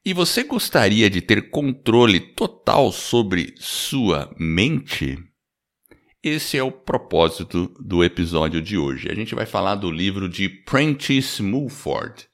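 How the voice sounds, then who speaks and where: A male podcast host with a fairly low voice that rises and falls with animated energy. He chats casually and laughs often as he talks through the episode. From United States. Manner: lively, animated delivery with quick laughs.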